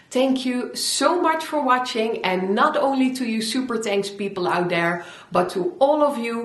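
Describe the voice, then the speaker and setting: Over noticeable background noise and audible room echo, a woman with a Dutch accent speaks at a fairly slow pace in a fairly high pitch with lively intonation. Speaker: metalsmithing YouTuber. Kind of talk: casual Q&A video. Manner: halting, searching for words.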